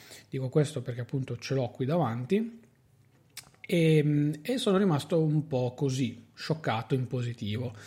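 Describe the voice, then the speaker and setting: A man has a dark, mellow, somewhat breathy tone at a fairly high pitch. His intonation is lively. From Italy, Turin. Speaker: tech podcast host. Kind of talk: solo tech review monologue. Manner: hesitant, frequent repetitions.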